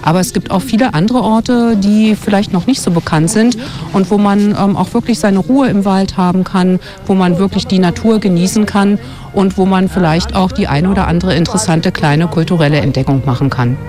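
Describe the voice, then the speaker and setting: Soft music plays under a woman's warm, medium-pitched voice, which moves briskly. A West Berlin radio journalist and travel guide author, she explains fluently and thoughtfully in a radio interview held outdoors on a winter forest walk.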